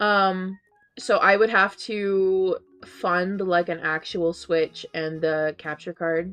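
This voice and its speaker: Music plays behind a woman speaking at a very slow pace. Her intonation stays fairly even. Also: medium pitch for a woman. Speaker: game streamer. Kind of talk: casual chat. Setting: live stream. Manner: stuttering.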